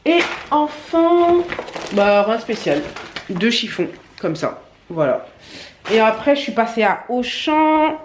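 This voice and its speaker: A woman's voice: medium pitch, very animated, unhurried, noisy background. A young woman vlogging at home, talking to her viewers in a chatty, upbeat, slangy way into a handheld phone. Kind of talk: casual vlog chat. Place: at home, indoors.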